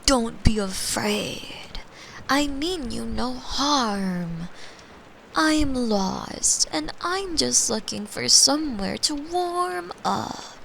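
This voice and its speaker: A woman voicing a gentle, friendly male talking bear from a fairy tale, reassuring and unhurried. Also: a little high, expressive, creaky, slight background noise, exaggerated voice. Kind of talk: bedtime storybook character voice.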